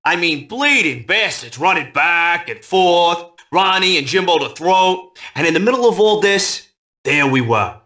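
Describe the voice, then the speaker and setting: An actor playing a brash, streetwise small-time mobster in a crime video game, slangy and swaggering. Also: male voice, sits high, lively intonation, measured pace, pushed and bright, full character voice. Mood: excited bragging.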